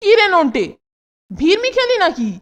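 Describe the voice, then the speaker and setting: A woman voicing an adventurous, cheeky boy in a children's cartoon, with an animated, teasing delivery. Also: extremely high pitch, moderate pace. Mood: teasing, sheepish. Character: adventurous, cheeky Bengali cartoon boy, coaxing his pal.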